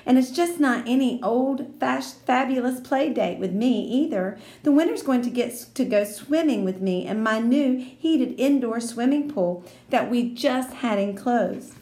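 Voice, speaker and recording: Woman reading as a prissy show-off little girl for a storybook, high and sing-song, roomy echo. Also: expressive, a little slow, hardly any pauses, dark tone. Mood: gushing. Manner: sing-song, gushing, drawn out.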